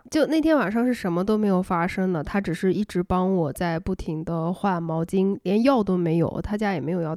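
A woman podcast host telling a personal story in casual chat, animated and laughing often. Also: medium pitch, no room sound, studio quality. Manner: animated, laughs often, acts out quoted lines.

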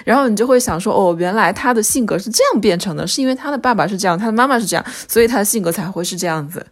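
A woman in her thirties co-hosting a relaxed podcast conversation. Her voice sits at an ordinary middle pitch, and she talks in a reflective way, thinking aloud and restarting her phrases as she goes. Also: rapid-fire. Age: 30s. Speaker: podcast co-host. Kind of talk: casual chat.

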